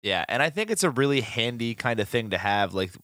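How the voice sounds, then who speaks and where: A man's voice: mid-range voice, sing-song, fairly quick, fairly bright tone, no room sound, studio quality. A man co-hosting a podcast, chatting casually and eagerly about comics, just over the flu. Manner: enthusiastic fan talk with fillers. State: recovering from the flu. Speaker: podcast co-host. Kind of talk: casual comic book discussion.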